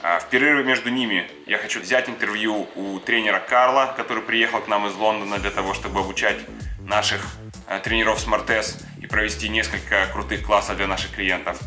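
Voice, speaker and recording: A man opening his vlog with a brisk, upbeat greeting to the camera. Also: lowish voice, steady tone, bright, forceful tone, reverberant, faint music behind. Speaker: vlogger.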